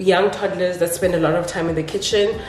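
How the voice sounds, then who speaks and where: A woman speaks with monotone, flat intonation. Faint music plays behind her, and room echo is audible. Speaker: home vlogger. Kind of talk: casual vlog chat. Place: kitchen. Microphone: phone near.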